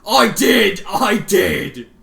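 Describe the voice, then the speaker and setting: A man's voice: high voice, sing-song, extremely slow, vocal fry, a bit bright, pitched above the performer's own voice, heavily acted. A man voicing a desperate, tearful female pony in a story, stammering and crying out as she pleads. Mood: desperate pleading. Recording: roomy, faintly noisy home recording.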